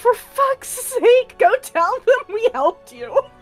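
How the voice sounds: An extremely high, squeaky put-on character voice speaks at a fairly slow pace with ordinary pitch variation. The sound is dry and close with no echo, and faint music plays in the background.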